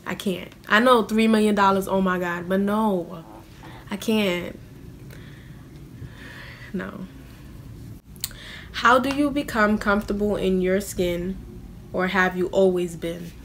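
A woman's voice: mid-range voice, steady tone, slow pace, pauses often, slight background noise. Young woman, blunt casual vlog talk. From United States. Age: young adult. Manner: blunt, casual slang-heavy, many "like" fillers. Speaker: vlogger. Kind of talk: casual Q&A to camera. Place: small indoor room.

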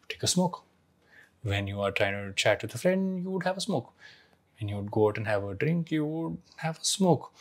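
A man in his forties telling a personal story to camera in a reflective, emphatic way, his throat a little husky. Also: mid-range voice. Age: 40s. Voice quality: slightly husky, throat clearing. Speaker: founder sharing life lessons.

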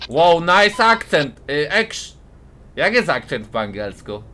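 A man's voice: a little high, very animated, slow pace, bright, forceful tone, slight background noise. A young man with a Polish accent, joking and trolling in voice chat while playing a truck game, switching between broken English and Polish. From Poland. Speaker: gaming YouTuber.

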